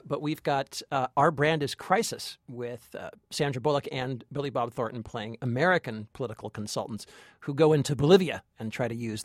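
A man co-hosting a film review podcast as a critic, chatting casually and haltingly as he searches for phrasing. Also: mid-range voice, dry recording, studio quality. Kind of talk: casual movie review chat.

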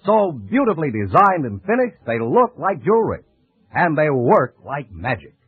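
A man announcing on a 1940s radio show, reading sponsor pitches and game updates. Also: sing-song, moderate pace, breathy edge, no echo. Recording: muffled, dry old radio recording.

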